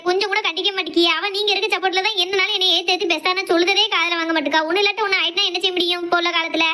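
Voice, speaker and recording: Woman voicing a shrill fretful village mother. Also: bright, forceful tone. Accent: Kanyakumari Tamil. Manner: scolding, complaining, quick. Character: nagging middle-aged village mother, fretful. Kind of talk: cartoon comedy voice acting.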